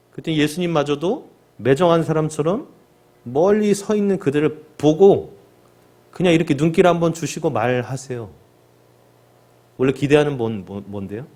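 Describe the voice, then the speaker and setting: A male pastor preaching a sermon, often asking the congregation questions and loudly acting out the cries of the sick. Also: fairly high pitch. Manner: asks the congregation rhetorical questions and acts out the lepers' cries.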